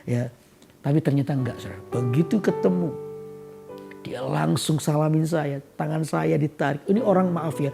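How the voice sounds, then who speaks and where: Gravelly pastor preaching over guitar. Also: male voice, fairly high pitch. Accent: Indonesian. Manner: animated storytelling, drops to soft murmurs when quoting. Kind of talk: sermon. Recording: guitar music behind.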